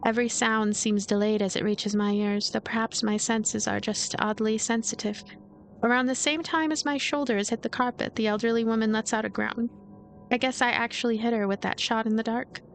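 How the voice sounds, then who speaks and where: High-voiced woman narrating over game music. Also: steady tone, fairly quick. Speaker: let's play host narrating. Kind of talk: expressive story narration with casual commentary.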